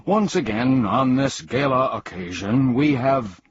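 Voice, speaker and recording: A man's voice: mid-range voice, expressive, measured pace, lo-fi sound, slight background noise, pitched above the performer's own voice, close to an everyday voice. A man voicing an imperious but melancholy king in a storybook, declaiming in a regal manner. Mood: commanding. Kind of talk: storybook character reading.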